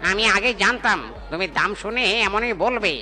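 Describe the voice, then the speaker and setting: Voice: medium pitch, normal speed, pushed and bright. An actor voicing a cheeky, sarcastic animal market vendor in a comedy cartoon, calling out and talking back in exasperation. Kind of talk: Bengali comedy cartoon dialogue.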